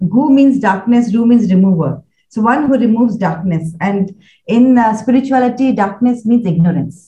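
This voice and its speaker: With lively intonation and a fairly high pitch, a woman speaks at a moderate pace in a dark, mellow, somewhat breathy tone. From India. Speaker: Bhagavad Gita teacher. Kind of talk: interview, spiritual teaching. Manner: halting.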